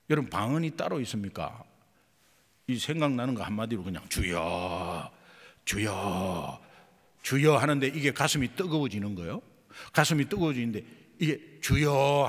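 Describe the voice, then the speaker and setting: Husky-voiced male pastor preaching. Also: fairly high pitch, a bit bright, in a large hall. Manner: storytelling, acting out dialogue. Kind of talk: sermon testimony. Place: church sanctuary.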